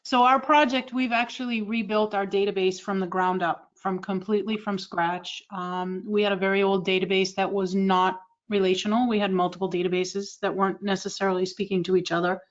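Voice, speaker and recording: Massachusetts woman, flat steady delivery. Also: mid-range voice, fairly quick, hardly any pauses, highs cut off. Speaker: state agency representative. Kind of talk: virtual meeting update.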